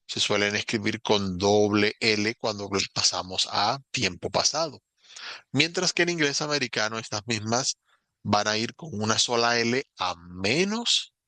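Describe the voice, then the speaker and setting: Gravelly bright-voiced Spanish-speaking teacher. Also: male voice, fairly low pitch, dry recording. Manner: calm, explanatory, pauses between short phrases. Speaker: English teacher. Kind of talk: recorded online lesson.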